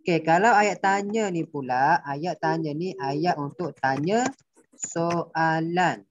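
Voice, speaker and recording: A man's voice: on the high side, slow, a little hiss or hum. A male primary school teacher with a Malaysian Malay accent, patiently explaining a grammar lesson and quizzing his pupils. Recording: dull dry lo-fi recording.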